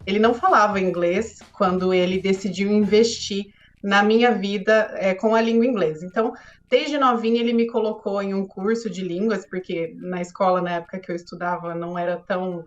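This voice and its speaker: A woman who works as an educational consultant, talking earnestly in a relaxed podcast conversation and often tagging her sentences with filler words. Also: mid-range voice, fairly quick, highs cut off. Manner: earnest, frequent filler tags.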